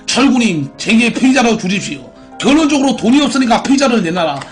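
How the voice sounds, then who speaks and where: A man's voice: very high-pitched, sing-song, brisk, soft background music. A man in his twenties hosting a live stream, reading out viewer posts and giving theatrical announcer-like verdicts in a brash, crude, mocking way. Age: 20s. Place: small indoor room at a computer.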